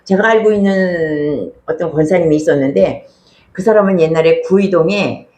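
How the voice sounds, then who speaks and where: A woman's voice: fairly low pitch, moderate pace, darkish tone. Woman preaching in an echoey hall. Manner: conversational preaching, emphatic repetition, rhetorical questions. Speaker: pastor. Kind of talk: sermon.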